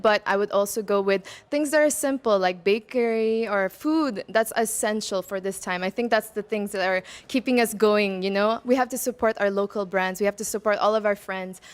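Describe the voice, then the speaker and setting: A woman with a mid-range voice, in her twenties and raised in Macau, takes pageant interview questions as a candidate. She's bubbly, laughs between answers, and sprinkles in Tagalog words.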